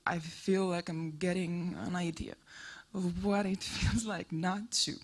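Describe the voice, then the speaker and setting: A woman's voice: fairly low pitch, fairly even intonation, measured pace, husky. A woman from Greece in a theater audience, asking a hesitant question into a handheld microphone. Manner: hesitant, searching for words.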